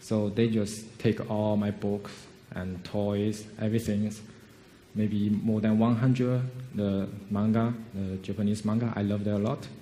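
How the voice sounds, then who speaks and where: There is audible room echo as a man speaks with a Chinese accent in a fairly low pitch. His tone is dark and mellow, his intonation monotone and flat. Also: fairly slow pace. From China, Fujian. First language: Mandarin Chinese. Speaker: concept artist. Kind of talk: lecture. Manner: halting, many fillers.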